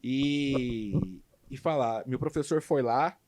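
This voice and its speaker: A man with a Brazilian Portuguese accent, a guest in a podcast interview, telling a personal story with animated, emphatic delivery. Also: medium pitch, slow, slight background noise. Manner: animated, emphatic retelling with lively swings in loudness. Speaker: guest entrepreneur.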